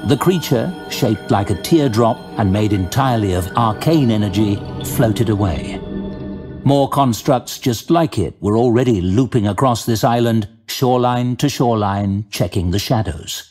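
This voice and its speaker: Male narrator for fantasy audio drama: lowish pitch, unhurried, theatrical, soft music underneath. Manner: measured, theatrical.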